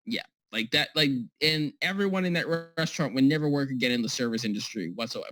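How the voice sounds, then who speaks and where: A man's voice: mid-range voice, fast, pushed and bright. A man co-hosting a casual podcast over a call, rambling and joking, often restarting and apologizing. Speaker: podcast co-host.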